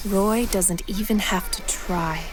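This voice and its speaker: A woman's voice: medium pitch, slow pace. A woman reading scripted present-tense story narration for an action fiction podcast. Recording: prominent music bed under narration.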